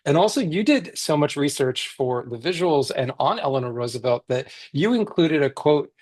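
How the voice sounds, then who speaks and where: A man speaks about his picture book in a relaxed panel conversation. His voice is slightly husky, and he talks with eager, animated enthusiasm, often restarting his sentences. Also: fairly high pitch, moderate pace.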